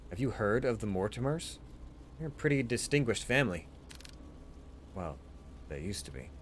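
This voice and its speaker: A man's voice: lowish voice, very animated, moderate pace, slight background noise. Man playing a chatty detective's sidekick. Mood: grave, confiding. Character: talkative, teasing male detective's sidekick.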